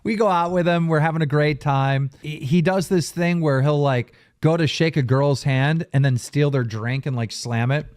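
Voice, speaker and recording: A man hosting a casual podcast, telling a story with animated energy and laughing into it. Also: on the high side, moderate pace, hardly any pauses.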